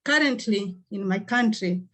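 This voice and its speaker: A woman's voice: medium pitch, unhurried. Earnest Tanzanian woman at a meeting. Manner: earnest, with fillers and restarts. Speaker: NGO worker. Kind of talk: online meeting remarks.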